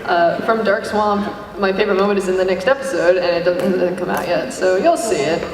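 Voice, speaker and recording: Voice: medium pitch, brisk. A panelist chatting casually and jokingly to an audience about creative work. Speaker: panelist, parody series creator. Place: large convention panel room. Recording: distant echoey hall, clear background noise.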